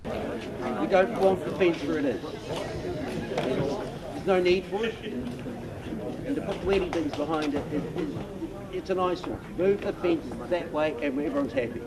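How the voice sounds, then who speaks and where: A man's voice: on the high side, measured pace, long pauses. A man leading a protest meeting, addressing the gathering informally outdoors. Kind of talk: informal speech to a public meeting. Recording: distant mic amid loud crowd. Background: loud crowd outdoors.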